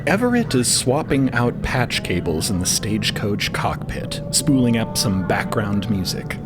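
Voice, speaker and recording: Male story narrator over loud music. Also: on the low side, very animated, measured pace. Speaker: podcast narrator. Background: loud background music.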